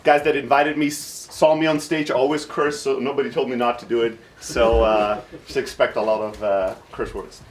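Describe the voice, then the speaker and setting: A man's voice: mid-range voice, level tone, moderate pace, few pauses, slight background noise. A man in his thirties from Greece, raised in southern Germany, giving an informal workshop talk in a blunt, irreverent, self-deprecating manner while jet-lagged. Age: 30s. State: jet-lagged, short of sleep.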